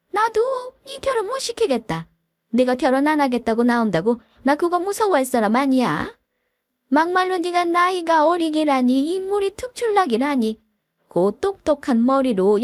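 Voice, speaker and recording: A shrill, domineering middle-aged mother-in-law, put on by a woman reading a story aloud, snapping orders in a high, sharply swooping voice. She scolds and lectures at every turn, and the sound is close and dry. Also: dark tone, no echo.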